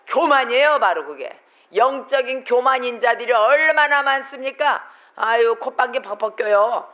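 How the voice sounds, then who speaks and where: A man with a notably high voice preaches in church, pressing his points with one rhetorical question after another. The recording sounds dull and lo-fi, muffling the top end. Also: lively intonation, moderate pace. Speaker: pastor. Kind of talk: sermon. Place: church sanctuary.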